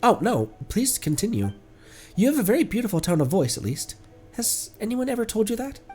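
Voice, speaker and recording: A man voicing a gentle, curious village girl in a sincere, questioning way. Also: high-pitched, very animated, a little fast, husky, soft background music, voice pushed up, heavily acted.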